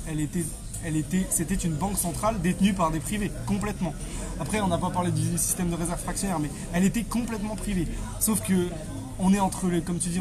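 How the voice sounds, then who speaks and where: Halting man explaining, music behind. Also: a little high. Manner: halting, repeats and rephrases phrases. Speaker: interview guest, author. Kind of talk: conversational historical explanation.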